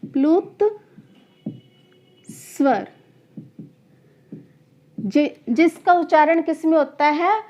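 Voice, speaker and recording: A woman's high, slightly mellow voice comes through a muffled recording as she teaches grammar to exam students. She calls them children, repeats key terms, and keeps asking questions only to answer them herself.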